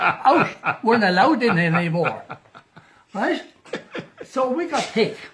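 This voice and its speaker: A man speaks at a fairly slow pace with an extremely high pitch, very wide pitch swings, and long, frequent pauses. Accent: Irish Midlands. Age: 80s+. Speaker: interviewee on anniversary. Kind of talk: casual interview, storytelling. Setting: at home.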